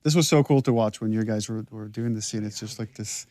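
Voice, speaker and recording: A man, the writer of the game, chatting on commentary, hesitant with many restarts but lively in his anecdotes. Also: lowish voice, fairly quick, dry recording. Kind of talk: casual commentary chat.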